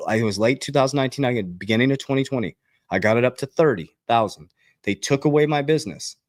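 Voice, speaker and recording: An emphatic male finance coach talks straight at his listeners in a direct, preachy way. His everyday mid-pitched voice keeps leaping up high for emphasis. The recording is dry and close. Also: dry recording. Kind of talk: motivational talk to camera.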